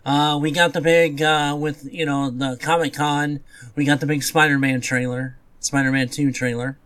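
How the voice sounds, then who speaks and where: A man's voice: on the high side, flat delivery, normal speed, a bit bright. A man co-hosting a podcast in casual conversation about movies. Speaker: podcast co-host.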